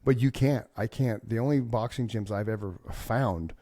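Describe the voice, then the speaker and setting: A man in his fifties hosting a casual interview podcast, chatty and quick to laugh, often restarting his sentences. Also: fairly low pitch, warm tone, no room sound, studio quality. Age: 50s. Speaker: podcast host.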